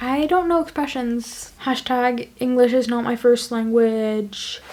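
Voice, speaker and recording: Against noticeable background noise, a woman with a French accent speaks at a high pitch and fairly slow pace with ordinary pitch variation. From Quebec, Canada. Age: 20s. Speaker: book vlogger. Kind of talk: casual vlog talk to camera. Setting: home office at night. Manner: chatty, many fillers and restarts.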